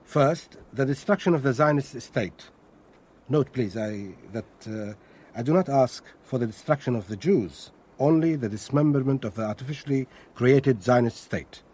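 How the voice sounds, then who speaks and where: Husky, formal Arab guerrilla commander played by a man. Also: medium pitch, a little mellow, natural voice. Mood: unyielding. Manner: formal, measured. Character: grave, courteous, unyielding male Palestinian guerrilla commander. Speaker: actor playing a guerrilla leader.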